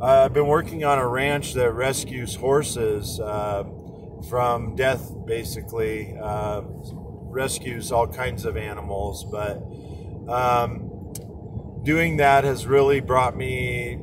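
Noticeable background noise sits behind a man's voice. He speaks at a very slow pace with ordinary pitch variation. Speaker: driver vlogger. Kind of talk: casual vlog chat. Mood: optimistic, upbeat. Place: car. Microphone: phone near.

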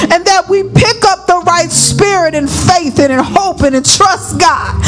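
Fairly slow speech over faint background music. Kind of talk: public prayer. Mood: fervent, devotional. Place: church.

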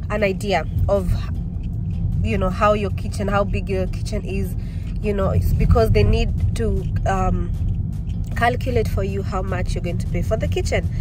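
Loud background noise runs beneath a woman speaking at a moderate pace, the sound itself dry with no echo. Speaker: vlogger. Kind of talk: casual vlog chat. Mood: excited, upbeat. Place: car. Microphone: phone near.

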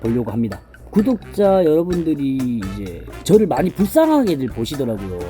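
Music plays in the background as a man speaks. His pitch is fairly high and swings very widely. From Gyeongsang region, Korea. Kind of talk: casual talk to camera.

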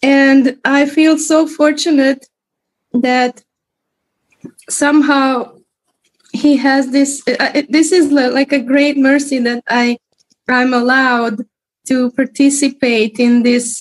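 Very slowly and with long, frequent pauses, a woman speaks at a high pitch in a monotone, flat intonation and very even loudness. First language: Serbian or Croatian. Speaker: devotee. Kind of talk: casual chat. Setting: video call. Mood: emotional, grateful. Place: home room. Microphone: video call.

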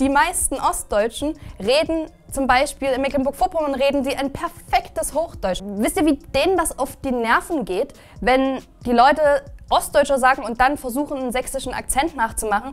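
A woman with a high pitch talks at a moderate pace, her pitch varying in an ordinary way. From Saxony, Germany. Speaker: video host. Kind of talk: casual talk to camera, reaction video. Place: studio. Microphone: lapel.

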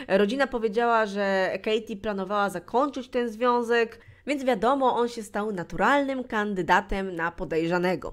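A woman talks in a normal speaking voice at a moderate pace, her pitch fairly high. The recording is very clean, with a silent background. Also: ordinary pitch variation, hardly any pauses. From Poland. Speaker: true crime podcaster. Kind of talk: true crime storytelling. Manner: casual, conversational.

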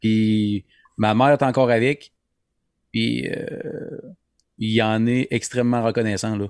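Very slowly and with long, frequent pauses, a man speaks at a medium pitch with fairly even intonation. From Quebec, outside Montreal. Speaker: podcast guest, business owner. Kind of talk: casual interview chat.

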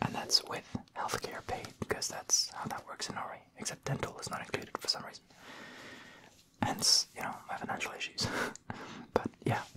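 A man whispers quietly at a moderate pace, with big swings in loudness, long, frequent pauses, and noticeable background noise. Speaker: streamer or vlogger. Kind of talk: casual vlog chat while eating. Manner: quiet ASMR whisper, close to mic. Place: home room. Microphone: studio mic.

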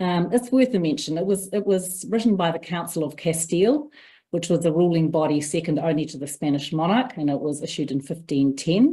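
Moderately paced speech from a woman with a New Zealand accent, her fairly low voice dark and mellow, with ordinary pitch variation and a quiet background. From New Zealand, Māori (Ngāti Raukawa). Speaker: law professor. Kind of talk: lecture. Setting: video call. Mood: serious, measured. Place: home room. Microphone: webcam.

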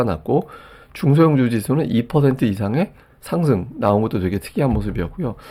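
A dark, mellow tone rides on very wide pitch swings. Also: man. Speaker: stock market commentator. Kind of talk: market briefing monologue. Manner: casual conversational.

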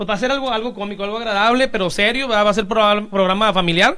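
A man uses a raised, projected voice at a high pitch. His intonation is fairly even against a quiet background. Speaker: singer and real estate agent. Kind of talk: casual chat. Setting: studio, live Facebook stream. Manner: fast. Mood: relaxed, anecdotal. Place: studio. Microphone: handheld.

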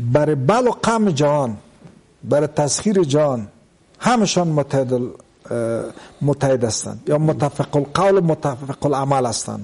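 Speaking at a fairly slow pace with long, frequent pauses, a man with a fairly high, somewhat breathy voice uses lively intonation. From Afghanistan. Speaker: talk show guest. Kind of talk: political interview. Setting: TV studio. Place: studio. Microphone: lapel.

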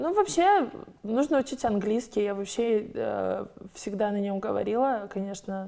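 A woman with a fairly high pitch and a dark, mellow tone speaks at a fairly slow pace. Her pitch variation is ordinary, and the background is quiet. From Belarus. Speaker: Belarusian emigrant, former basketball player, manager; interview guest. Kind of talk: interview. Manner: hesitant, many fillers. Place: studio. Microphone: lapel.

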